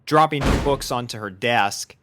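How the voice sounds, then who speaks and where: A man's voice: medium pitch, moderate pace, heavy background noise. A man reading a scripted story aloud as its narrator. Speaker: fan fiction narrator.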